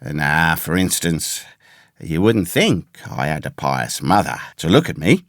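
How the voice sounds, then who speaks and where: A man voicing a ragged, pious, half-crazed castaway sailor with a hoarse, awkward voice and rambling rustic seaman's talk, in a storybook reading. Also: extremely low pitch, very animated, unhurried, no room sound, clean studio sound, pitched below the performer's own voice, full character voice. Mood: confiding, rambling.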